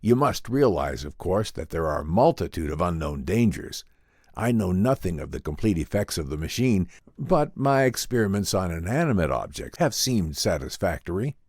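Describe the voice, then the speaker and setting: A man voicing an earnest, learned inventor professor in a dramatic radio-style reading, formal, deliberate and explanatory. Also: sits low, big pitch swings, a little mellow, no echo, studio quality, full character voice. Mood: grave, cautious. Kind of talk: dramatic audiobook reading in old-time radio drama manner.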